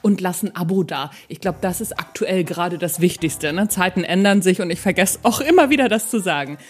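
A woman's voice: fairly low pitch, expressive, a little fast, husky, soft background music. A woman hosting a podcast, chatting informally and speaking directly to her guest and listeners. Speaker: podcast host and interviewer. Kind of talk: casual conversational interview and podcast outro.

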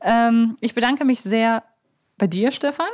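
A woman's voice: fairly high pitch, a little slow, a little mellow. A woman hosting a fan podcast in a conversational style, phrasing her thoughts carefully and correcting herself as she goes. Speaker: podcast host.

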